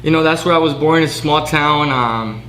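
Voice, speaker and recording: A man's voice: fairly high pitch, moderate pace, roomy sound, slight background noise. A man in his twenties from Southern California, a pro boxer talking casually as a guest with lots of fillers. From Southern California, USA. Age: 20s. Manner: relaxed, fillers, flat delivery. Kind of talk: casual interview.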